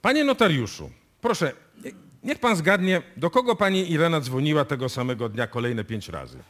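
An actor playing a methodical, probing police inspector in a live radio play. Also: male voice, on the high side, big pitch swings, fairly bright tone. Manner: deliberate, probing.

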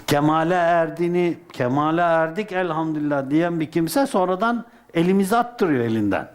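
Fairly high-voiced older male Sufi preacher. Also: animated, fairly quick. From Turkey. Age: middle-aged or older. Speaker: Sufi sheikh. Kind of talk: sermon.

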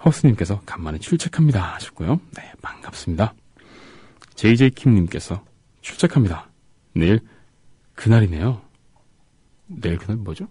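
Low husky halting male radio host. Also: very animated, dark tone, no room sound. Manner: halting, with gaps between words and syllables. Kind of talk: casual radio talk reading listener comments.

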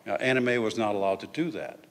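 An older man giving a public history lecture in a large hall, talking informally and filling pauses with "uh" and "okay". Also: on the low side. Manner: chatty, with frequent "uh" and "okay". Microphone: lectern microphone. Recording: reverberant hall.

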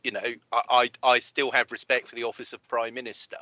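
Bright, forceful middle-aged man, dull call audio. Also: medium pitch, level tone, quick pace, no room sound. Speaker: co-host in a two-person online chat. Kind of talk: casual discussion on a video call. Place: cluttered indoor room, video call. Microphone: headset boom mic.

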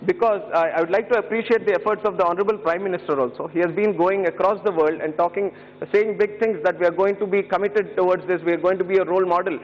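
A man's voice: high-pitched, fairly even intonation, fast. A man in his thirties with an Indian English accent gives an earnest speech in a large parliament chamber into a desk microphone, often hesitating and addressing the chair as "sir". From Andhra Pradesh, India. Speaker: member of parliament. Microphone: fixed desk microphone. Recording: reverberant chamber, dull broadcast audio.

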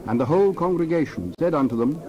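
A man's voice: fairly high pitch, expressive, fast talker, muffled recording, crowd noise. A man narrating a dramatized scripture reading.

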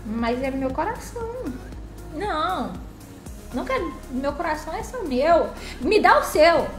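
A woman with a high, very animated voice talks a little slowly as she chats casually on a live stream, reading the chat and playfully teasing her viewers. The room is echoey, with faint music in the background.

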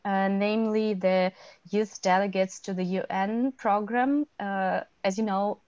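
A woman with a Ukrainian accent presents at a slow, measured pace. The sound is close and dry but dull, as on a video call through an earphone mic. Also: mid-range voice, steady tone, darkish tone, smooth, no room sound. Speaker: panelist. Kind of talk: semi-prepared panel presentation. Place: small office, video call. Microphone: wired earphone microphone.

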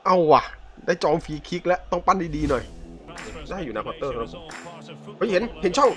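A young man commenting on a football video game as he plays, with loud outbursts, laughter and swearing. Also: fairly high pitch, a little fast. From Thailand. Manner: swings from calm play-by-play to loud shouting and laughing, swears often. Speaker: gaming YouTuber. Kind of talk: excited live game commentary. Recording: game music playing behind the voice. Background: clear game music.

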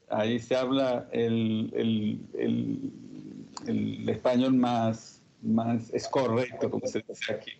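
A man chairs a conference panel, speaking slowly with a gravelly, creaky voice and lots of pauses and fillers. His audio is muffled, with faint background noise from the room. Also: mid-range voice, darkish tone. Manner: halting, many fillers, joking. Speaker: panel moderator.

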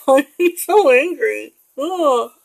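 A woman's voice: high-pitched, creaky, no echo, rough recording. A woman in her late forties, chatting casually and rambling with frequent laughs while she paints digitally. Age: 40s. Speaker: digital artist.

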